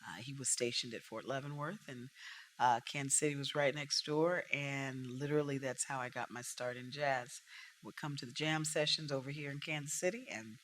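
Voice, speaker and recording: Bright-voiced woman singer telling stories. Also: extremely low pitch, moderate pace. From Oakland, California. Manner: animated storyteller, acts out quotes. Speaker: jazz singer, podcast guest. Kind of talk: storytelling interview talk.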